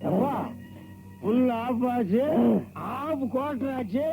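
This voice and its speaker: An actor playing a simple, curious villager in film comedy dialogue. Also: male voice, very high-pitched, slow, poor audio. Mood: curious, sympathetic. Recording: old film cassette with loud music.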